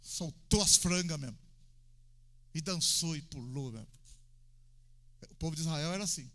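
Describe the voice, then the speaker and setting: A man with a Brazilian Portuguese accent preaching an evangelical sermon in a colloquial, conversational way, acting out prayers with sudden loud, high shouts. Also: normal speed. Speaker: pastor.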